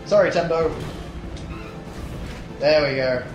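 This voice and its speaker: A young man with a tired, hoarse voice, casually commenting on a platformer as a let's play host, rambling with many fillers and restarts. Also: a little high, slow, reverberant, highs cut off. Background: game music.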